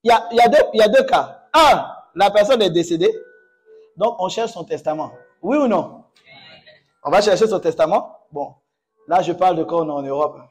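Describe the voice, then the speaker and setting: High-pitched, animated preaching pastor. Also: male voice, fairly quick, faint music behind. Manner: exhorting with call-and-response; bursts into loud exclamations. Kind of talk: sermon.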